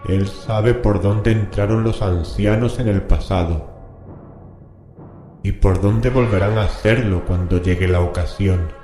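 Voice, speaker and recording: Guy playing a horrified old-book scholar, low and slow, reading cursed scripture, super ominous radio horror. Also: dark tone, close to an everyday voice. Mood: solemn, ominous. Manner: slow, solemn, ominous incantatory delivery. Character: grave, horrified scholar reading forbidden occult scripture aloud. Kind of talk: horror radio drama acting. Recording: reverberant voice with music bed.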